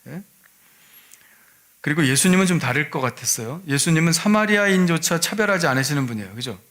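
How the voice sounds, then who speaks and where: A man's voice: fairly high pitch, animated, a little fast, a bit bright. A male pastor preaching a Sunday sermon, retelling a scripture story and asking the congregation rhetorical questions.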